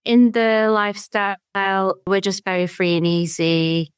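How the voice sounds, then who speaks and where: A woman's voice: mid-range voice, level tone, unhurried, clean tone. A woman in her thirties chatting casually as a podcast guest. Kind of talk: casual interview chat.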